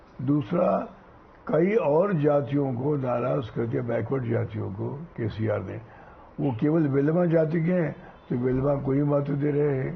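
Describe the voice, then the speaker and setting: Audible room echo surrounds a man's fairly high, somewhat breathy voice. His pitch varies an ordinary amount. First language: Telugu (speaking Hindi). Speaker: senior journalist. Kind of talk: interview.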